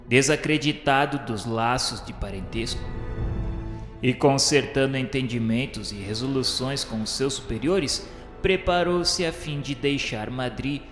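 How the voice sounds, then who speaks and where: A man's voice: mid-range voice, fairly bright tone. A man playing a tormented, vengeful Jesuit officer of the Inquisition, confessing in solemn, formal, theatrical radio novela narration. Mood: cold, scheming. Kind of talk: dramatized first-person radio novela narration. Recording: echoey hall reverb, music behind.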